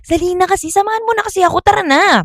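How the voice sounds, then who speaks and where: A teenage schoolgirl pleads in a rushed, whiny voice, her pitch pushed high and bright. A woman puts her on while telling a story. The sound is close and dry. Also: dry recording. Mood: pleading. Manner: rushed, begging.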